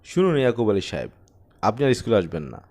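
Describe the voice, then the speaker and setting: A man's voice: on the low side, huge pitch swings, fast, darkish tone. Man acting a stern, exasperated school headmaster. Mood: stern dismissal. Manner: cold, curt, scolding.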